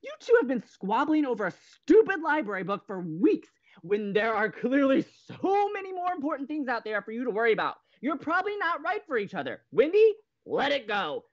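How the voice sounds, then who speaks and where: A woman playing an anxious, stubborn young college radio host in an audio drama, with a flustered, halting, emphatic way of talking. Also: sits high, very animated, lo-fi sound. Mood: exasperated. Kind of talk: naturalistic audio drama acting.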